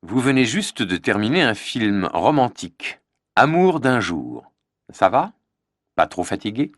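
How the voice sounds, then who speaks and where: A man playing a radio show host in a scripted learner dialogue, with a cheerful, animated manner. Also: on the low side, measured pace, no room sound, clean studio sound.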